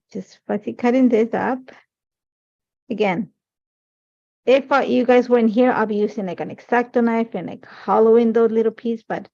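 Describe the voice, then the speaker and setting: This crafting host's slightly high voice is creaky and mellow as she leads a live demonstration, talking informally and thinking out loud. A middle-aged native Spanish speaker, she carries an Ecuadorian accent and works at a crafting desk under an overhead camera. The audio is a dull lo-fi stream.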